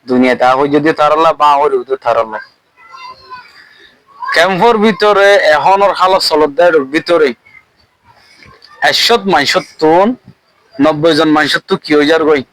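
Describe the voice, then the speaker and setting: A man's voice: fairly high pitch, a bit bright, no echo, rough recording. A man with a Rohingya accent giving informal, colloquial spoken commentary, repeating phrases for emphasis.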